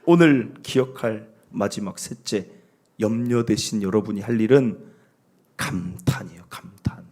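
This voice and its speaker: A man's voice: on the low side, measured pace, warm tone. A middle-aged male pastor preaching a sermon in a church, acting out quoted voices as he exclaims and worries aloud. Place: church sanctuary.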